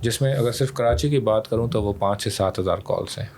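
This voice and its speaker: A man with a Pakistani accent, an emergency rescue service official, explains his service as a podcast guest, mixing English words and phrases into his speech. His voice is lowish, fast and darkish, with background noise clearly audible.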